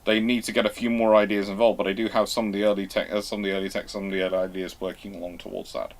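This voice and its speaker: Man explaining in halting, emphatic bursts. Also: fairly low pitch, level tone. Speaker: host answering viewer questions. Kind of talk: live question-and-answer talk on naval history.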